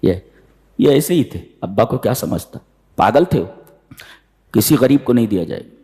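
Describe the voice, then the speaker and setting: A man giving a sermon that explains the Quran, telling the story with lively, theatrical delivery. He jumps into high-pitched voices when acting out characters and chants the Arabic verses slowly. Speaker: Quran commentary preacher. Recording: hall reverb.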